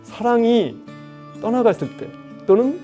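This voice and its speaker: A middle-aged man, a Korean teacher, giving a lively lecture to a studio audience and often asking them questions. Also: very high voice, unhurried, faint music behind.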